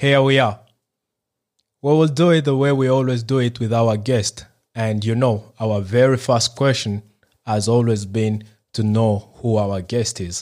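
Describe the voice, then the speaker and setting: In a very clean recording with a silent background, a man talks at a fairly slow pace and medium pitch with ordinary pitch variation. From DR Congo. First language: French. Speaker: podcast host. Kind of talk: solo podcast monologue, reflective. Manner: halting, with repeated words.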